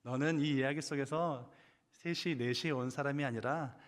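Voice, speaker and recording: A pastor quietly voicing God as a calm, gently questioning male presence, low and hushed, with the hall's reverb around it. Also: moderate pace, natural voice. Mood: gently probing.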